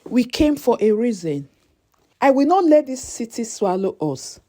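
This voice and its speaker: Woman playing hopeful, resolute young woman, slightly high. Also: very animated, measured pace, dark tone. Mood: determined. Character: young immigrant woman, hopeful, determined, upbeat friend.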